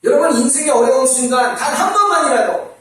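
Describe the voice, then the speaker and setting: A man's voice: very high-pitched, animated, fast talker, fairly bright tone. A man preaching a sermon as a pastor, asking his congregation rhetorical questions and acting out scripture dialogue. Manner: acts out dialogue between God, Satan and Job. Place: church sanctuary. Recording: very echoey church from far off.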